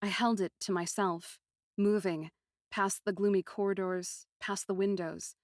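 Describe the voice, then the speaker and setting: A woman narrating first-person fiction dramatically, with a deliberate, poetic, often hushed delivery. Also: mid-range voice, steady tone, no room sound, clean studio sound. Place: close, dry recording.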